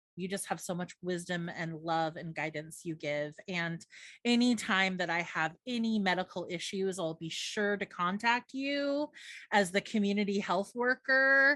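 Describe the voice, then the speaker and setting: A loud woman's voice at a medium pitch, bright and sharp in tone and animated, with lively intonation and a fairly slow pace, dry and close with no echo against a quiet background. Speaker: podcast host. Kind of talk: casual chat.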